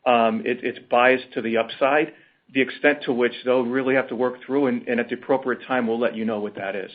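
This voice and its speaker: A man speaking as a company executive on an earnings call, in a measured, halting way. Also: mid-range voice, fairly even intonation. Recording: thin, band-limited phone line.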